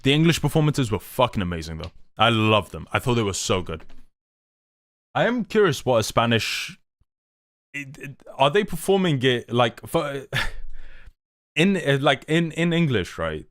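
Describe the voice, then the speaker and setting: A man's voice: medium pitch, sing-song, unhurried, dry recording. A young man hosting a live stream, chatting casually and enthusiastically, rambling with many restarts. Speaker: livestream host.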